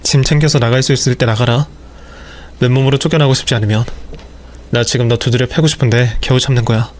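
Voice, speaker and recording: A man's voice: mid-range voice, fairly even intonation, fast talker, close to an everyday voice. A man doing a furious, accusing husband. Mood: angry. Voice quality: harsh, cold, accusing. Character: furious husband confronting his wife.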